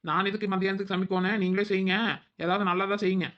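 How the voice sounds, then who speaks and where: A cheeky young daughter-in-law in a cartoon, played by a woman, whining and needling in a quick, mid-pitched voice. The sound is a bit dull and lo-fi. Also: level tone, natural voice. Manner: whiny and cheeky. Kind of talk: cartoon voice acting.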